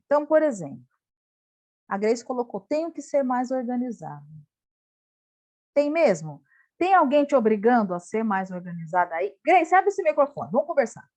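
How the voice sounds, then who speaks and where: Woman, Brazilian accent, fairly high voice, very lively intonation, leading a study group on a video call. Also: normal speed. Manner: lively, talks straight to the group. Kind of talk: teaching an online study group.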